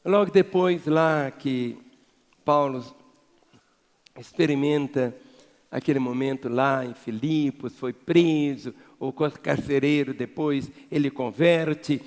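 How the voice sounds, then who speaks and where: A man with a Brazilian Portuguese accent preaching a sermon as pastor, emphatic, swinging between loud exhortation and quiet low asides. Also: takes it slowly. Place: large church hall. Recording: long reverb of a church hall.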